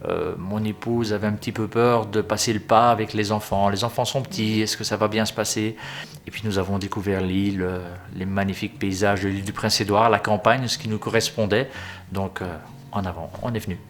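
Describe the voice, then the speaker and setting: A man in his forties from Europe, a business owner speaking earnestly in a testimonial interview, often pausing to hesitate. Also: on the low side, steady tone. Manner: earnest, hesitant with frequent pauses.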